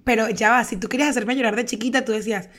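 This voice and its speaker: A young Venezuelan woman chats on a podcast in a slightly high voice. She tells childhood stories in quick, slangy bursts and laughs between them. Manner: animated storytelling, slangy, laughs often. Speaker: podcast co-host. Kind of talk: casual chat.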